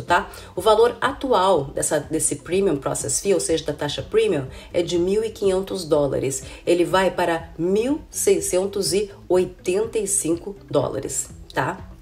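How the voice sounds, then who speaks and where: A woman in her thirties with a hoarse, cold-roughened voice, talking casually to camera as a channel host and explaining things in a chatty way to her viewers. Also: lowish voice, a little mellow. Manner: chatty, addresses viewers as "gente", frequent "né?" and "viu?". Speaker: immigration consultant and channel host. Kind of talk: casual informative vlog to camera. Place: indoor room with window blinds. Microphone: camera at close range.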